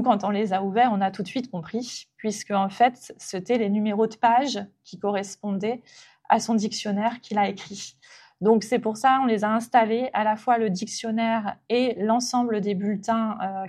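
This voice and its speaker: A woman giving an unscripted guided presentation, pausing often with filler sounds as she explains. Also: mid-range voice, darkish tone. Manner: hesitant, frequent filler pauses.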